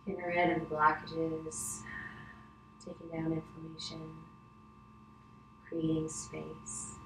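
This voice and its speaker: A middle-aged yoga instructor leads a class with gentle, soothing, unhurried cues and pauses, her voice on the low side. She's indoors in a wood-panelled living room. The distant camera catches a roomy echo and clear background noise.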